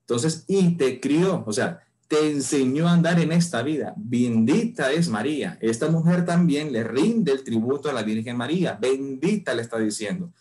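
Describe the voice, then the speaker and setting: A man teaching a Catholic Bible lesson as a sermon, reading scripture slowly and with emphasis, asking and answering rhetorical questions. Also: mid-range voice, expressive, a little mellow.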